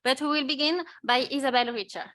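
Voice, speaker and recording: A woman's voice: high-pitched, fast talker, a bit bright, dry recording, clean studio sound. A woman moderating a conference panel, speaking casually and hesitantly. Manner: casual, hesitant, with many fillers.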